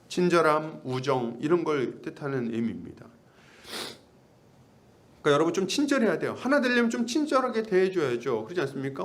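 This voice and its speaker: Speaking in a slightly high voice, a pastor preaches conversationally to his congregation. He poses questions to them and acts out small snippets of dialogue.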